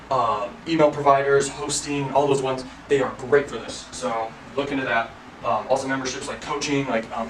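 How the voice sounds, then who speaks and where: Echoey, energetic salesy man. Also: mid-range voice. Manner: energetic, salesy, says freaking a lot. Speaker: online course creator. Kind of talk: casual tutorial talk. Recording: echoey room, mic at a distance, faint ambient noise.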